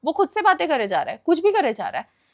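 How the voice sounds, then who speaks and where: A young woman casually narrating a spooky story, mixing Hindi and English in an animated way. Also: sits high, fast, lo-fi sound.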